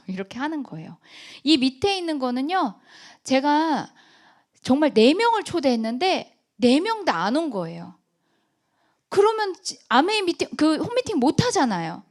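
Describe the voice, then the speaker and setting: A woman in her thirties giving a motivational sales talk, telling her story with lively acted-out dialogue. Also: high voice. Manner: animated storytelling, acts out quoted dialogue. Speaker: guest speaker.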